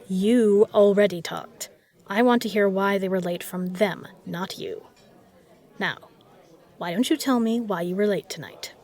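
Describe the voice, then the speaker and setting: A woman playing a self-assured, particular bar regular in an audio roleplay, speaking in measured, formal phrases. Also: mid-range voice, darkish tone, close to an everyday voice. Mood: firm, commanding. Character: poised, particular female bar regular, flirtatious and protective. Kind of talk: scripted audio roleplay addressed to the listener.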